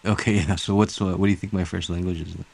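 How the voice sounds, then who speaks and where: A man's voice: deep voice, level tone, vocal fry, darkish tone, no room sound. A man who is not a native English speaker, arguing insistently as a caller in a heated debate, often restarting his sentences. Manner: insistent, provoking, halting restarts.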